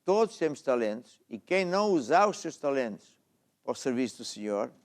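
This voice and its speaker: A middle-aged man with a European Portuguese accent preaches a sermon as an apostle, urging his listeners on before closing with a prayer over them. His mid-range voice has a sing-song lilt and a moderate pace, and he keeps asking "está a ver?"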